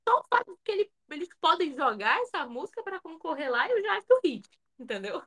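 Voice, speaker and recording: A woman co-hosting a podcast, chatting in an animated way full of little filler tags. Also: very high voice, a little fast. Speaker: podcast co-host. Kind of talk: casual podcast chat.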